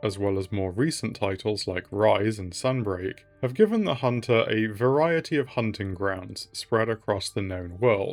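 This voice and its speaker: Music plays behind a man speaking at a fairly low pitch with ordinary pitch variation. His pace is moderate, with hardly any pauses. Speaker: gaming video essayist. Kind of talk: scripted video essay narration.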